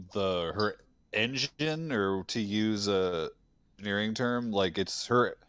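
A man's voice: lowish voice, fairly bright tone, clear, resonant tone, dry recording. A man chatting casually as a player in a roleplaying game, hesitant and often rephrasing himself. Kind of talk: casual improvised in-game chat. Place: indoors at home, on a video call.

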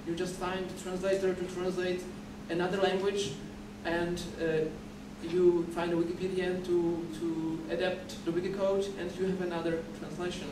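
A man's voice: high-pitched, little pitch movement, moderate pace, hardly any pauses. A young man giving a conference talk at a podium, often repeating words and restarting as he explains. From Czech Republic. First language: Czech. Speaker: conference speaker. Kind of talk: conference presentation. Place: dim lecture hall, at a podium. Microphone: podium mic, recorded from a far camera. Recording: echoey hall recorded from far off, noisy.

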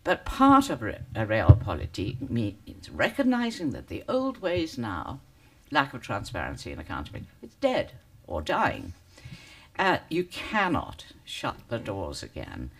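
An older woman with a deep, smoky voice delivers a panel speech with theatrical, sardonic wit. Her pitch swings wildly between low growls and high, mocking peaks. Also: wildly swooping pitch, measured pace, fairly bright tone. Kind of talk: public debate speech. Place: conference hall.

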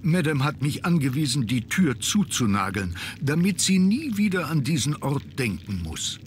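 Dutiful butler, lively intonation. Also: male voice, fairly high pitch, a little hiss or hum. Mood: deferential. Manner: formal, servile, measured. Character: dutiful, deferential male butler of a manor. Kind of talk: scripted video game acting.

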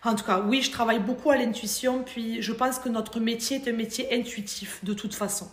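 A woman's voice: a little high, echoey room. A woman from France, a hairdresser, chatting casually and animatedly as an interview guest. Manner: chatty, animated, quick to laugh.

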